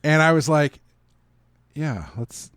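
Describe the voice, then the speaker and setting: A man's voice: fairly high pitch, animated, takes it slowly, fairly bright tone, clear, resonant tone, no room sound. Guy on a podcast just chatting, kinda wry rambly stories, dry close mic. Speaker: podcast host. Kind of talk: casual conversational chat.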